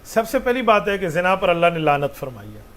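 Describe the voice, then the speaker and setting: A man's voice: sits high, big pitch swings, fairly quick, a bit bright, slight background noise. A man, a mufti answering religious questions with patient explanations and rhetorical questions.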